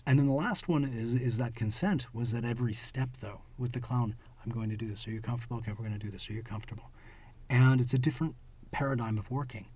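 A man co-hosting a podcast, explaining his craft in a reflective, casual way, his phrases often trailing off quietly. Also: mid-range voice, fast talker, breathy edge. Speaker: podcast co-host and clown performer.

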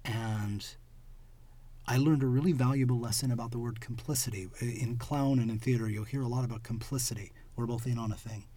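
A husky-voiced man talks through an idea at a relaxed, conversational pace. He explains carefully and often lets the ends of his sentences drop to a murmur. His pitch sits in an ordinary middle range. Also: brisk. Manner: thoughtful, explanatory, trailing off quietly at ends of phrases. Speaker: podcast co-host and clown performer. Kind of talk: reflective casual conversation.

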